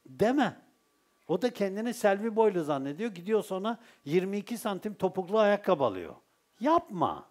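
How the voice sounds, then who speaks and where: Turkish man leading a Sufi talk, high voice that rises and falls a lot, storytelling delivery. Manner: lively storytelling with rhetorical questions. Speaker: Sufi teacher. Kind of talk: religious talk.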